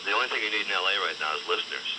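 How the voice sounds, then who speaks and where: Quick, dry-needling radio guest man. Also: sits low, expressive. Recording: noisy old radio broadcast.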